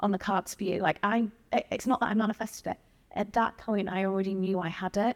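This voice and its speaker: A woman speaks at a fairly quick pace with fairly even intonation and a medium pitch. The sound is dry and close, with no echo. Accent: northern English. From northern England. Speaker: hairdresser, podcast co-host. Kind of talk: casual chat.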